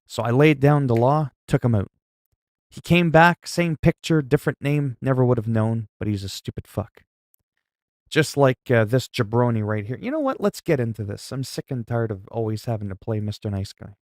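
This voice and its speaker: A man hosting a livestream, chatting loudly in a mock-stern, profane way with quick swings in volume. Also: mid-range voice, lively intonation, dry recording, clean studio sound. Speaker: livestream host. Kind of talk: casual livestream chat.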